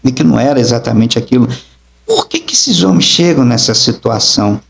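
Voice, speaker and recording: Gravelly middle-aged preacher, emphatic storytelling. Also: male voice, mid-range voice, sing-song, a little fast. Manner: emphatic storytelling, acts out dialogue. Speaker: apostle, guest preacher. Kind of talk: testimony in an interview.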